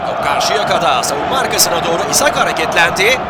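A man's voice: sits high, expressive, fast. A man giving live football play-by-play as match commentator, in controlled, clipped phrases that name the players. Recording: loud crowd noise behind broadcast commentary. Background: stadium crowd.

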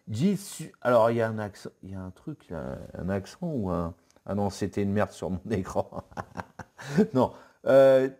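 A man's voice: medium pitch, darkish tone. A young man hosting a web marketing video, joking and swearing casually through a screen demo.

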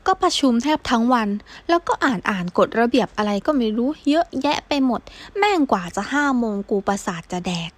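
A woman reads a brash young man with a crude, blunt mouth in this storybook dialogue. The voice sits a touch high for a guy and barely shifts from the reader's own. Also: big pitch swings, brisk, few pauses. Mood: gruff. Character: brash young male architecture graduate, foul-mouthed. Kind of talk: audiobook character dialogue.

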